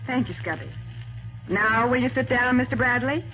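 An actress with an American accent playing a sharp, determined young woman detective's assistant in a 1940s radio drama. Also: on the high side, moderate pace, close to an everyday voice. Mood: firm, accusing. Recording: noisy muffled 1940s radio recording.

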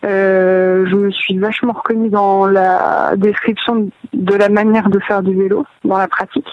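A woman from northern France, a guest in a casual interview, talking hesitantly with many pauses and fillers. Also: mid-range voice, little pitch movement, no room sound, recorded from a distance, narrow, tinny audio.

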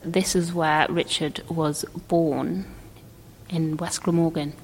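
A woman's voice: deep voice, steady tone, takes it slowly, a little mellow. A young Welsh woman, a musician, chatting casually as she describes an exhibition while walking through it. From Wales. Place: exhibition room. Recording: echoey hall with faint background noise.

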